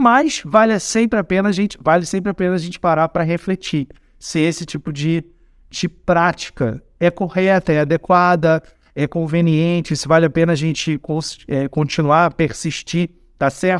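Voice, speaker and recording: On a very clean recording with a silent background and a dry, close sound with no echo, a man with a high pitch speaks at a moderate pace with ordinary pitch variation. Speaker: doctor (aesthetic medicine). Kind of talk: informal Q&A video. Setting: at home. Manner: loud.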